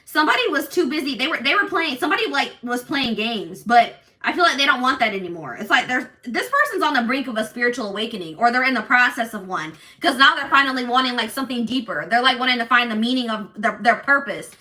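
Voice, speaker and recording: Loud, bright, high-voiced assertive woman. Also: animated, fast talker, few pauses, far from the mic. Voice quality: strong, loud voice. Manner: assertive, emphatic, repetitive. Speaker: tarot reader and channel host. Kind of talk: casual intuitive tarot reading to viewers.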